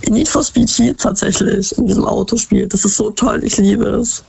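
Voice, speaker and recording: A woman from Baden-Württemberg, hoarse with flu, calling in to chat about games and sometimes searching for words. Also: mid-range voice, steady tone, moderate pace, warm tone, dry recording, rough recording. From Baden-Württemberg, Germany. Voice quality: raspy, gravelly. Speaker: caller. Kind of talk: phone-in chat.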